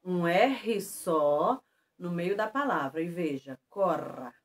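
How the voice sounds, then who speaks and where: A Brazilian woman teacher giving a lesson to schoolchildren, stressing example words slowly and clearly. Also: on the low side. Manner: lively, slow and emphatic on example words. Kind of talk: remote lesson for children.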